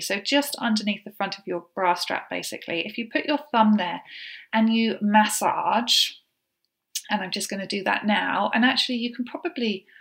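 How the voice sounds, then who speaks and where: Woman podcast host, practical coaching talk delivered at a measured pace. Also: medium pitch. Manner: practical, explains step by step with gentle fillers.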